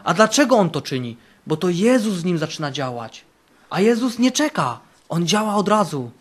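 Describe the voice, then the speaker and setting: A male camp preacher in full sermon mode, his fairly high voice rising for bold declarations and dropping for quiet, earnest passages. He drives points home by repeating key phrases. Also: sing-song, moderate pace. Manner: fervent, repeats phrases for emphasis, swings between loud and hushed. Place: camp meeting.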